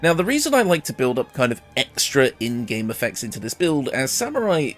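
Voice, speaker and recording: A man's voice: medium pitch, very animated, fairly quick, soft background music. A man giving a casual, conversational video game guide commentary, explaining things informally, his voice a bit ill and recovering from being lost. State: ill, voice recovering after losing it. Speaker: gaming video creator presenting a character build guide.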